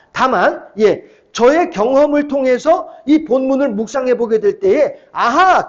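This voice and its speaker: A man's voice: extremely high pitch, muffled recording. A middle-aged male pastor preaching a midweek sermon in a conversational way, often putting questions to the congregation.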